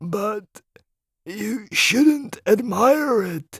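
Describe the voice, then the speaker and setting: A put-on character voice, raspy and fairly high in pitch. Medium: read story. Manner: barely audible.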